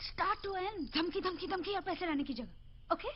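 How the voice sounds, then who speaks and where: A bossy spirited young heroine. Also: female voice, very high voice, moderate pace, a little hiss or hum. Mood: chiding. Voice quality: bossy, commanding. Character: bossy spirited young woman faking a kidnapping. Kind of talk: Hindi film acting. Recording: dull film soundtrack with music.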